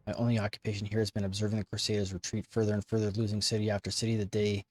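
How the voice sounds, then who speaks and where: A man's voice: on the low side, level tone, very fast, darkish tone, lightly acted. A man voicing an arrogant, lordly ancient undead lich from a fantasy game, with haughty, formal, archaic speech. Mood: bitter, disdainful. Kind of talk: reading game dialogue in character.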